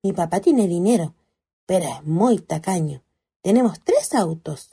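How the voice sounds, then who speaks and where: A woman's voice: fairly low pitch, lively intonation, measured pace, warm tone, slightly rough, heavily acted. A woman voicing a greedy, chattering little girl who rattles on. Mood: chatty. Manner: chatterbox, bratty.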